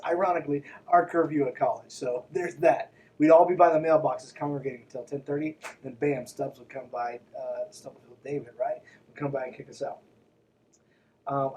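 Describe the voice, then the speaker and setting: A man's voice: a little high, mellow, distant mic, a little hiss or hum, low-quality recording. A man hosting a podcast, reading aloud and breaking in with mocking, irreverent, conversational asides. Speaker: podcast host.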